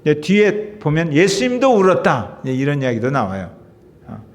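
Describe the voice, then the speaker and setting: A middle-aged male pastor preaching with a high, lively voice that swings up and down as he pleads and explains. He talks to his congregation in an emotive, conversational way. The sound has the long reverb of a church sanctuary. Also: moderate pace. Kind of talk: sermon.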